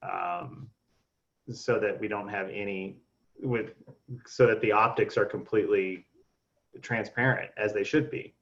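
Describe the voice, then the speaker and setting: A man leading a city board meeting, talking in a halting way with many restarts and fillers. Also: fairly low pitch, fairly even intonation, gravelly, a bit bright, highs cut off. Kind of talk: casual meeting discussion.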